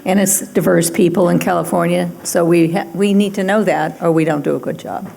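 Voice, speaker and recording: A woman's voice: lowish voice, steady tone, a little fast, gravelly, darkish tone, slight background noise. A woman moderating a panel, thanking the speakers graciously. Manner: gracious, wrapping up.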